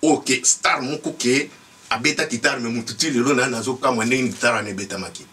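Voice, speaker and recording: A man's voice: medium pitch, brisk, pushed and bright, recorded from a distance. A middle-aged man from the DR Congo, speaking emphatically to camera as a promoter and mixing French and Lingala. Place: indoor studio set.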